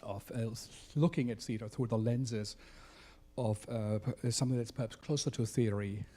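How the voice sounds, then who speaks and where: Man hosting an event, halting. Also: medium pitch, fairly even intonation, dark tone. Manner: halting, with many fillers. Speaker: event host. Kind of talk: introducing an evening event. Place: theater event space.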